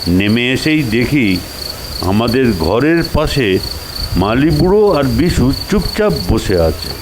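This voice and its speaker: A man's voice: mid-range voice, big pitch swings, takes it slowly. A man narrating a dramatised first-person story, expressively acting out its dialogue. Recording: noisy track with cricket and insect sounds.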